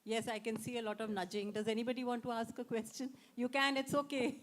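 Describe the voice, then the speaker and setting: A woman's voice: on the high side, level tone, fast talker. A woman moderating a festival book session who praises the book and coaxes the audience to ask questions. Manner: warm and effusive, coaxing the audience. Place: literary festival stage.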